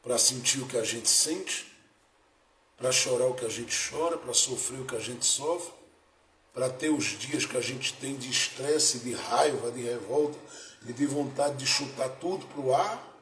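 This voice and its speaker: A man preaching a sermon as pastor, building to emphatic peaks and then dropping soft. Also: mid-range voice, a little slow, a little hiss or hum. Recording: echoey room, faint ambience.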